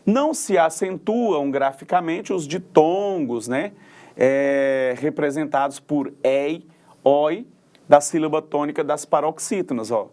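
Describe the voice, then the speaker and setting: Man teaching grammar, slightly high. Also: takes it slowly, darkish tone. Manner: explanatory, repeats terms, says "né" and "ó" often. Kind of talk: recorded classroom lesson.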